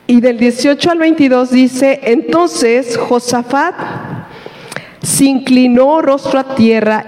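A man preaching a sermon as pastor, animated and quizzing his congregation. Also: very high-pitched. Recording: echoey hall with long reverb.

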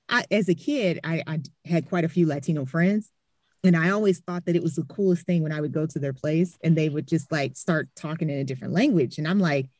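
A woman hosting a casual chat, relaxed and curious, asking follow-up questions and sharing her own story. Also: low-pitched, no room sound. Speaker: podcast host.

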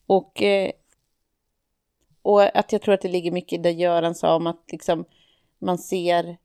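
Low, gravelly woman musing slowly. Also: level tone, warm tone. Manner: hesitant, many fillers and restarts. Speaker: podcast co-host. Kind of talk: casual reflective discussion.

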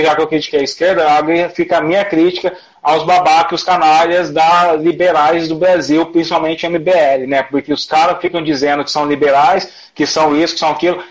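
A man with a Brazilian Portuguese accent, speaking passionately in a conversational discussion, restarting his phrases. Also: fairly high pitch. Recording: dull lo-fi audio.

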